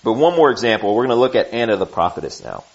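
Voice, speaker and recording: Animated man preaching, lo-fi. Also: on the low side, fast talker. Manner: conversational, animated, with asides and restarts. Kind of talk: sermon teaching through scripture. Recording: dull lo-fi recording.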